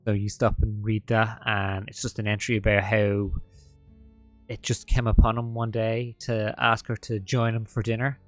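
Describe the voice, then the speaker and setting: A man narrating as game master, talking in a halting way full of fillers and restarts. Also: lowish voice, flat delivery, dry recording, soft background music.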